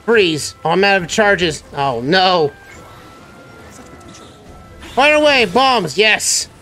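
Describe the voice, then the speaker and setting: Guy streaming a game live, pretty high voice, keeps going oh boy, lil bit of game music behind. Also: takes it slowly. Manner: excitable, frequent "oh boy" exclamations and laughs. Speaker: gameplay streamer. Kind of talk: live gameplay commentary.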